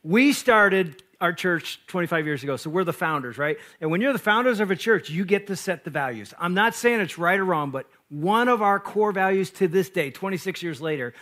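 Middle-aged pastor guy, high bright voice, jokey, acts out both sides of arguments. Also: expressive, fairly quick, hardly any pauses. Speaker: pastor and marriage speaker. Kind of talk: lively storytelling talk to an audience.

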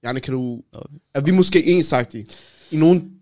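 A man's voice: a little high, darkish tone. Young male co-host, inquisitive, lighter voice. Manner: curious, asks the group questions. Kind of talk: casual chat.

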